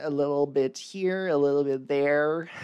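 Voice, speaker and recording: A woman with an animated tone and ordinary pitch variation. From Ukraine. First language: Ukrainian. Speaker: cultural blogger and podcast host. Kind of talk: casual chat. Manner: animated, laughs often.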